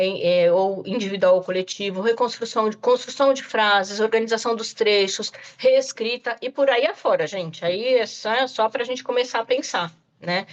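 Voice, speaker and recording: With the high frequencies cut off, a medium-pitched woman delivers an online lecture to educators. As a literacy specialist presenter, she addresses her listeners directly and often says "tá?" and "né?".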